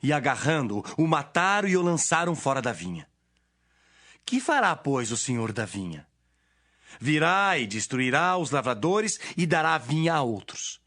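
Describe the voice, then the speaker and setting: A Brazilian man playing an authoritative teacher, measured and declamatory, in a dramatized audio Bible. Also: a little high, very animated, fairly bright tone. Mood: authoritative teaching.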